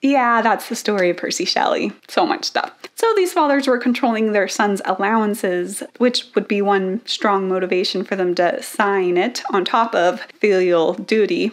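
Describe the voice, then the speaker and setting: A slightly hoarse woman hosting a casual educational video, animated and chatty. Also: mid-range voice, normal speed, few pauses. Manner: animated, chatty, acts out quotes. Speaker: literature video host.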